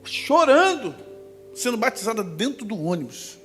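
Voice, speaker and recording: A high, bright-voiced male pastor with a Brazilian Portuguese accent, preaching emphatically and swinging from hushed asides to full shouts. His voice rings with a long hall reverb. Faint music plays under him in the church. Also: big pitch swings, moderate pace. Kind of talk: Pentecostal sermon.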